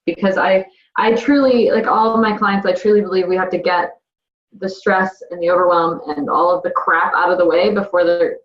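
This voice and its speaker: Hesitant woman client, halting speech, roomy echo, dull muffled call audio. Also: mid-range voice. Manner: hesitant, halting, laughs nervously. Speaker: coaching client.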